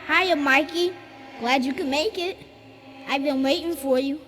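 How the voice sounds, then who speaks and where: High-voiced, eerie little boy. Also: unhurried, fairly bright tone, faint music behind. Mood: scared, plaintive. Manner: childlike, plaintive. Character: frightened, eerie little boy, younger brother. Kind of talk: video game character acting. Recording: noisy, long hall reverb.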